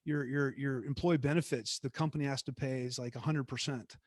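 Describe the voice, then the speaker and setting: A middle-aged man, a guest speaker, telling stories from his career in a relaxed, reflective way with frequent restarts. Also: medium pitch, fairly quick, dry recording, clean studio sound. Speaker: guest speaker, former theme park executive. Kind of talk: conversational class talk.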